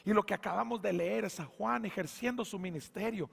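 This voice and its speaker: A pastor preaches a sermon in a church, his fairly high voice gravelly and husky. He tells stories with animated flair, voicing characters and booming on key lines. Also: a little fast. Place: church sanctuary.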